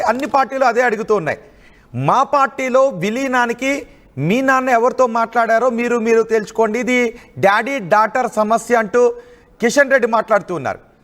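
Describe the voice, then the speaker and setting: A woman's voice: a little high, brisk. A woman anchoring live news, presenting developments and putting questions to a reporter.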